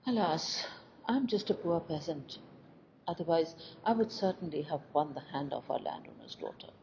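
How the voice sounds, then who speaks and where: A woman reading the part of a polite, earnest young male peasant in a storybook, with measured delivery. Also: low-pitched, expressive, a little mellow. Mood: wistful. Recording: dull lo-fi recording with faint noise.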